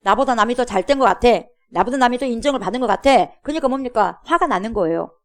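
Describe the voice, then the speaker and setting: A woman's voice: on the high side, expressive, fast talker. Woman pastor preaching with emphatic questions. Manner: emphatic preaching with repeated rhetorical questions to the congregation. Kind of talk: sermon. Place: church.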